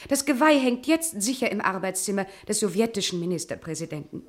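An actress playing a formal, snobbish servant in a German radio crime play, with a haughty, ceremonious manner. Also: female voice, medium pitch, very animated, fairly quick, close to an everyday voice. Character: formal, snobbish female villa servant showing visitors around.

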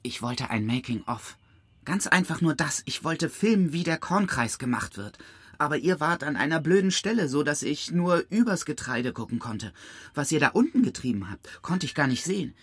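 An actor playing a defensive, self-justifying young camp leader with a husky voice in a radio crime drama. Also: mid-range voice, sing-song, moderate pace, no room sound.

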